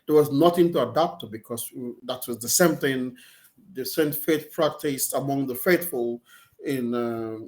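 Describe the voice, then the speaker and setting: A man's voice: medium pitch, moderate pace, a little mellow, low-quality recording. A middle-aged man with a Nigerian accent, a Catholic priest talking over a video call. He often repeats words as he searches for the right phrasing. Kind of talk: casual interview conversation. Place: small room with plain white walls, indoors. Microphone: video call, laptop or webcam.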